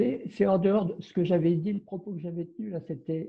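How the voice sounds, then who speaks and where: A high-pitched male voice. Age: 80s+. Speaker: doctor. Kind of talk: interview.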